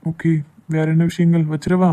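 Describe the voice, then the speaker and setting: A man's voice: fairly high pitch, level tone, normal speed, mellow, lightly acted. A man playing a hurt, jealous young lover in a cartoon love drama, with a southern Tamil Nadu accent. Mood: hurt, sarcastic.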